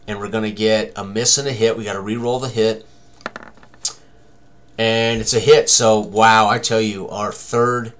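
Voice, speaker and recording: A man's voice: fairly low pitch, fairly bright tone, a little hiss or hum. An older man thinking aloud as game master, narrating a tabletop combat tutorial with dramatic turns of phrase. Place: small room indoors at a computer.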